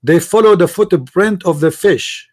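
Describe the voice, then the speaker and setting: A man's voice: high-pitched, lively intonation, unhurried. A man whose first language is Arabic, from the Middle East, hosting a heated religious debate and pressing his opponent with repeated, mocking questions. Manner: combative, repetitive, mocking. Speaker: debate host.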